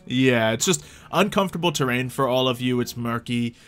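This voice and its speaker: A man's voice: medium pitch, animated, normal speed, fairly bright tone, soft background music. A man narrating a casual tabletop roleplay as game master, chuckling and joking with his players.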